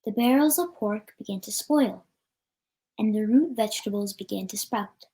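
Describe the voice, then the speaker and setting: A woman reading a storybook aloud in a plain, somewhat halting manner. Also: medium pitch, mellow. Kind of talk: read-aloud storybook narration.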